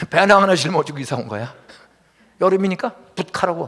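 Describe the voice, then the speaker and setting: This man has a high pitch and lively intonation. He talks at a very fast pace. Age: 70s. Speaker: retired pastor. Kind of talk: sermon. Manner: animated.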